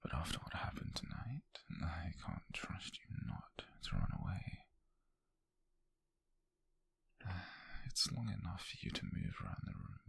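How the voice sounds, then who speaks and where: A British man playing a possessive, obsessive mafia kidnapper in an ASMR roleplay, speaking slowly in a breathy, husky whisper with a menacing tenderness. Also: low-pitched, wildly swooping pitch, fairly bright tone, full character voice. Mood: soothing, controlling. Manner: slow, deliberate, menacingly tender.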